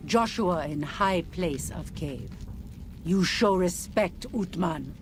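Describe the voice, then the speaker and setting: A woman playing a proud, menacing tribal warrior sentry in a video game, terse and stern in halting broken English. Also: fairly low pitch, lively intonation, soft background music. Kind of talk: video game character dialogue.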